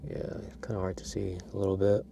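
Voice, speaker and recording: A man with a very low voice talks casually to the camera about his athletes, relaxed and conversational, sometimes trailing off quietly. A faint hiss sits behind him. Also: fast, vocal fry. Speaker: bodybuilding coach and vlogger. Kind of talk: casual vlog talk.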